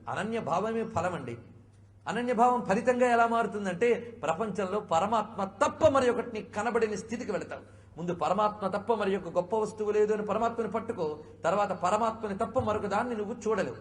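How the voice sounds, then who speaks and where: A man giving a devotional discourse, explaining patiently and asking many rhetorical questions, sometimes gently chiding his listeners. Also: high-pitched. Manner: chiding, conversational. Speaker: spiritual speaker.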